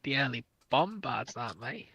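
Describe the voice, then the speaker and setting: A man's voice: medium pitch, expressive, moderate pace, bright, forceful tone, breathy edge, no room sound. A man joining a casual panel chat, with faint noise and clicks on his audio. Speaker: panelist on a live stream.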